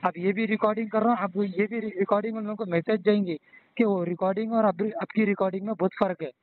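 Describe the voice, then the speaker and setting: A male caller with a Hyderabadi accent talks fast, repeating himself and staying deferential as he explains his situation. The line is tinny and narrowband with no echo, and his high voice keeps a fairly even intonation.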